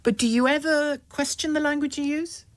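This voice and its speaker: A woman's voice: sits high, fairly even intonation, moderate pace, no echo. Probing British woman TV host. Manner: probing, pushes back, stammers restarts. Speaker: television host. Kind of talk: challenging TV interview.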